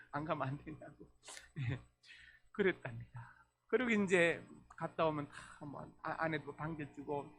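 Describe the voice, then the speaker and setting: Man, pastor, sermon, slightly high voice, church, animated storytelling. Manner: storytelling, acting out quoted dialogue with rising emotion. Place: church sanctuary.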